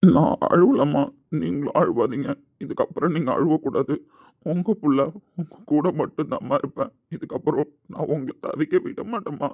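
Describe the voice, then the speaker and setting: A man's voice: on the high side, moderate pace, creaky, no room sound. A man playing a grown son who apologizes to his mother, speaking over a phone line. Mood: remorseful. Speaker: son character. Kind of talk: scripted family drama.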